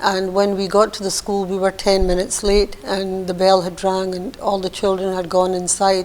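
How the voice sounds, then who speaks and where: A woman speaks at a moderate pace with a Scottish accent, her medium-pitched voice flat and monotone, hardly pausing, over noticeable background noise. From Lossiemouth, Scotland. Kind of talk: oral history interview.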